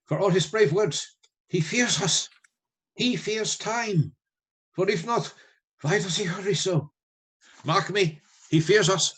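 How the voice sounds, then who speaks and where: A solemn, commanding professor rallying vampire hunters in a radio drama. His voice is fairly high for a man, with a husky edge, and deliberate. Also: fairly bright tone, full character voice. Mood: urgent resolve. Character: resolute male professor leading vampire hunters. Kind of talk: live radio play acting.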